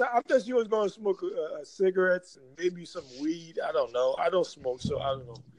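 In an American accent, a man speaks at a moderate pace with a high pitch and very wide pitch swings, the sound dry and close with no echo. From New York City. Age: 40s. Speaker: podcast guest. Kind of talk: casual chat.

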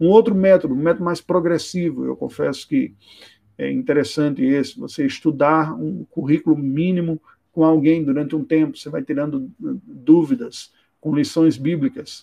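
This man has a normal speaking voice with fairly high pitch. He talks at a moderate pace with lively intonation. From Brazil, Paraíba (Campina Grande). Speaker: pastor. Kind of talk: livestreamed Bible study talk. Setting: online livestream. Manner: warm, conversational.

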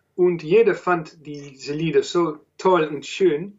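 A man with a high pitch speaks with a Dutch accent. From Netherlands. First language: Dutch (speaking German). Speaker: children's musician. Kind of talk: interview. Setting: phone call. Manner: halting.

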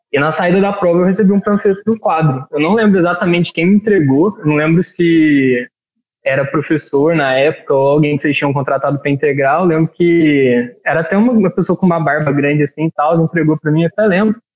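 A man with a fairly high pitch and an ordinary speaking voice talks at a fairly quick pace with ordinary pitch variation and very even loudness, the sound dry and close with no echo. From interior of São Paulo state, Brazil. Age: 20s. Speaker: medical student. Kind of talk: interview. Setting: video livestream.

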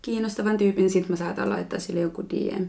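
Using a normal speaking voice, a woman talks at a medium pitch. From Rwanda. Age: 20s. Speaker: film club organizer. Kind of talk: casual chat.

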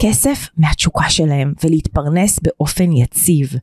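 On a very clean recording with a silent background and a dry, close sound with no echo, a woman speaks at a fairly slow pace with lively intonation. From Israel, immigrated from France at age three. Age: 40s. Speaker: business coach for therapists, podcast host. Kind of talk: podcast monologue.

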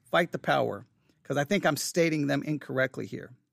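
An animated man with an American accent speaks at a moderate pace and a fairly high pitch. Vocal fry runs through his voice. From West Texas. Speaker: podcast host. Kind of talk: solo podcast monologue.

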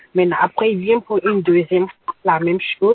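Her voice sits at a medium pitch, and this woman's pitch varies in an ordinary way. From Senegal, Tambacounda. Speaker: guest speaking on customary marriage. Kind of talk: radio interview.

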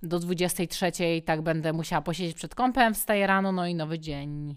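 At a moderate pace, a woman speaks with fairly even intonation in an ordinary speaking voice. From Silesia, Katowice. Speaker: personal trainer. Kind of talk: interview.

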